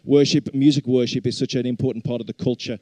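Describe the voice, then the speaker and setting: A middle-aged man with a Black Country accent speaks to a congregation in a relaxed, mellow voice. The sound is close and dry. He preaches informally and chattily, with self-deprecating humour. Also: mid-range voice, quick pace, no room sound. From English Black Country. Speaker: guest preacher and worship leader.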